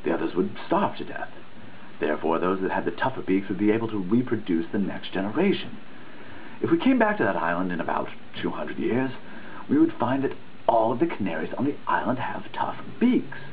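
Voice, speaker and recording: A man reads a dissertation in a sing-song, somewhat low voice at a brisk pace. His rendering is dramatic, earnest and emphatic to the point of preachiness, with the odd stumble over a word. It was captured with tinny, phone-like sound and a little background noise.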